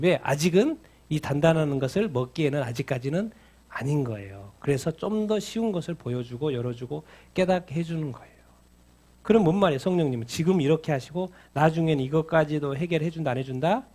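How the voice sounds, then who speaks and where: A man's voice: a little high, expressive, brisk, dark tone. A male pastor preaching a sermon, asking the congregation questions and answering them himself, repeating phrases for emphasis.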